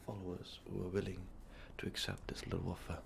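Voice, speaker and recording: A man playing an ancient, brooding vampire overlord in a slow, halting, breathy half-whisper for an ASMR roleplay. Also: sits low, monotone. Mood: grim recounting. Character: ancient brooding male vampire overlord confessing his dark past. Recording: noticeable background noise.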